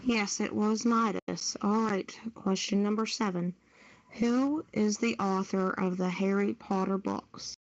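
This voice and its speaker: A woman's voice: mid-range voice, fairly even intonation, measured pace, no room sound. A woman hosting a group podcast quiz, reading out questions and confirming answers. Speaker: quiz host. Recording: dull, lo-fi online audio.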